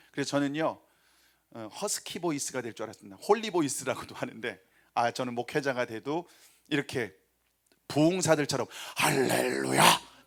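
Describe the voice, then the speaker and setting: A man with a medium pitch and vocal fry speaks in an animated tone at a moderate pace, with lively intonation, big swings in loudness, and long, frequent pauses. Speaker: pastor. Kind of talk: sermon. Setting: church.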